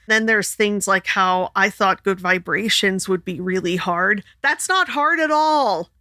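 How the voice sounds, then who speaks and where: A woman's voice: slow pace, sharp tone, no room sound, studio quality. A woman co-hosting a podcast, chatting casually and laughing often. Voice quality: sings alto and high tenor. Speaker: podcast co-host. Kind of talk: casual chat.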